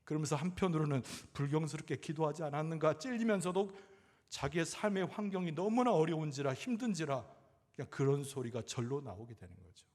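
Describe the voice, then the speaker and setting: A man preaching a sermon as pastor, reading scripture slowly and raising his voice for the pleas he quotes. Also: a little high, animated, a little mellow. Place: church sanctuary. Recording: church hall reverb.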